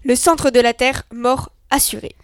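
A woman's voice: high voice, steady tone, measured pace, smooth, no room sound, studio quality. A young woman co-hosting a scripted debate show, matter-of-fact and teasing. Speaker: co-host.

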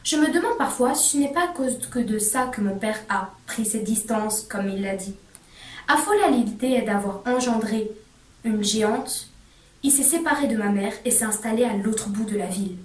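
A woman reading a first-person novel passage aloud, measured and deliberate with slowed emphasis. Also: a little high, lively intonation. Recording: roomy echo, distant mic, faint hum.

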